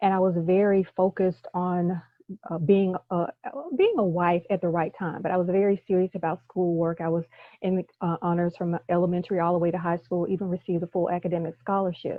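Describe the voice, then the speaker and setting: A woman with a Tennessee accent talks at a fairly quick pace in a fairly low pitch, her intonation flat and monotone. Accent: Southern US (Tennessee). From US South, Memphis, Tennessee. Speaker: executive leadership coach. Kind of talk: interview testimony.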